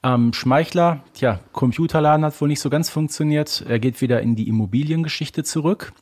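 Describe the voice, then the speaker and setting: A man's voice: on the high side, a little fast, darkish tone. A man co-hosting a podcast in a conversational, explanatory way, often posing rhetorical questions. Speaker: podcast co-host.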